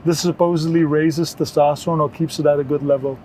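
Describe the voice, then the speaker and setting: Higher-voiced mellow man from Belgium, explaining earnestly. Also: fairly even intonation, brisk, a little hiss or hum. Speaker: interview guest, wellness entrepreneur. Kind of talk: conversational health advice.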